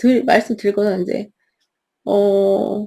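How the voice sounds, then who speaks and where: This woman speaks at a very slow pace. Her tone is dark and mellow. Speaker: tarot reader. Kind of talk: casual chat. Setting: lying in bed, home livestream. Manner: animated, energetic; halting, many fillers and restarts.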